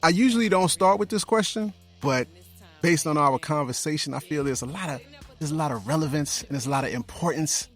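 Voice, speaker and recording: A man hosting and producing a podcast chats casually and playfully, using slang and laughing easily, with stretches of scripted narration mixed in. His voice is a little high, brisk, and fairly bright, with soft music underneath. He's recorded over a remote video call.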